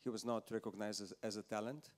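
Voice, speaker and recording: A man's voice: fairly low pitch, steady tone, fast talker. A man speaking as a business panelist, direct and candid. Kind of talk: panel discussion answers.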